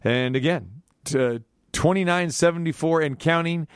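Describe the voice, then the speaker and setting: A man's voice: on the high side, normal speed, clean tone, no echo. A man hosting a sports radio show, chatting casually and teasing his guest, with many restarts.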